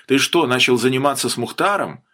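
A man reading an audiobook, voicing a brisk male kennel chief asking short questions. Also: medium pitch, bright, forceful tone, close to an everyday voice.

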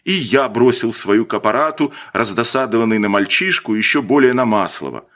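Expressive male audiobook narrator. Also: mid-range voice, fairly quick.

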